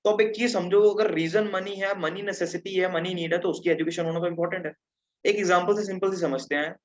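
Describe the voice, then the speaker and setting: A man's voice: high-pitched, fairly even intonation, quick pace, highs cut off. A teenage man from Punjab giving an interactive online lesson over a video call, chatty and often checking in with his listeners. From Punjab, India. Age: teens. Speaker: webinar presenter.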